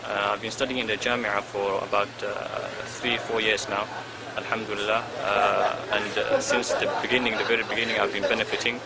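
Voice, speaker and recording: A man's voice: on the low side, little pitch movement, fairly quick, few pauses. A young man who grew up in Sweden, speaking as a university student in a hesitant testimonial full of "uh" fillers, recorded outdoors by a street. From Somalia, raised in Sweden. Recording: outdoor traffic noise.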